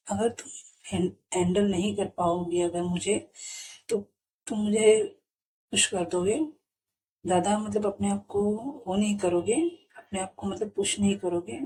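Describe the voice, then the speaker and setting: A woman's voice: mid-range voice, mellow, natural voice, poor audio. A woman voicing a domineering young man in a storybook recap, giving stern commands.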